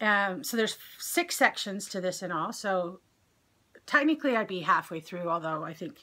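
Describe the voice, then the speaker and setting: Putting on a character voice, a woman speaks hoarsely at a moderate pace, her pitch medium and her intonation lively. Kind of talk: casual vlog chat.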